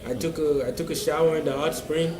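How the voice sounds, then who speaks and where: A man's voice: on the high side, little pitch movement, fast, a little mellow. A young American man, a university student, answering interview questions casually, hesitant with lots of fillers and repeats. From United States. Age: young adult. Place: busy cafe. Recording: roomy cafe with crowd chatter.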